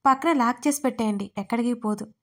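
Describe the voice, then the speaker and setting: Woman narrator voicing a courteous young man, earnest, gently insistent, storybook reading, fairly high voice. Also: quick pace.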